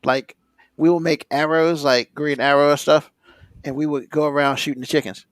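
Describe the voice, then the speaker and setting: Guy hosting a podcast, voice a bit high, dry close mic sound, chatting casually. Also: steady tone, normal speed, dry recording. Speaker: podcast host.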